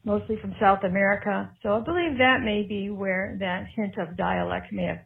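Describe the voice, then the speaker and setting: A woman's voice: medium pitch, moderate pace, vocal fry. A woman calling in by voicemail, explaining a point in a matter-of-fact way. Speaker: voicemail caller. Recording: tinny phone-line voicemail.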